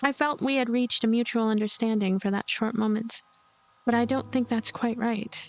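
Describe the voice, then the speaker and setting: A woman's voice: a little high, steady tone, moderate pace, natural voice. A woman voicing a cynical, lonely girl who narrates her own visual novel story in a blunt, wry, calculating way. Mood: wry, puzzled. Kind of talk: first-person visual novel narration read aloud.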